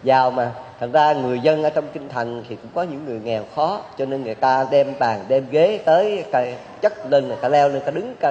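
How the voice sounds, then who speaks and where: A man's voice: fairly high pitch, warm tone, a little hiss or hum. A man, a monk giving a dharma talk as a folksy, repetitive story. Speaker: monk preacher. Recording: dull hall recording with long reverb.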